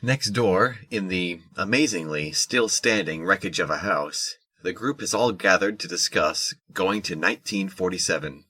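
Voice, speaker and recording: A wry narrator voiced by a man with a very low, husky voice. He delivers measured audio drama narration with a forceful edge. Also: full character voice. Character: wry male storyteller narrator.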